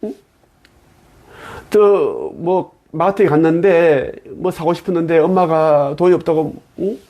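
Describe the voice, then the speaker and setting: A man briefly speaking as a complaining child, keeping his own husky voice. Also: fairly high pitch, animated, a little slow, warm tone, muffled recording. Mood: sulky. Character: sulky young child complaining, whiny.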